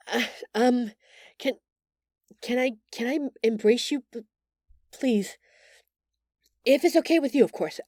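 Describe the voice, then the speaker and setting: A woman playing a gentle, shy female alien who stammers earnestly and apologetically in an intimate audio roleplay. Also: fairly high pitch, no echo, clean studio sound, close to an everyday voice. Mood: relieved, grateful.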